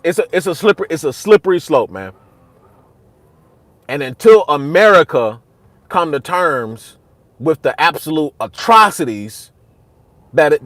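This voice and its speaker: A young man hosts a casual livestream, arguing back at his chat in a heated, repetitive way, and his voice gets loud and high when he is worked up. There is no echo.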